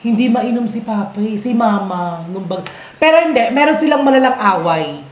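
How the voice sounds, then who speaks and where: A woman co-hosting a casual podcast, chatty and quick to react with slang and short replies. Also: a little high, lively intonation. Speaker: podcast co-host. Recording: roomy echo, faint background noise.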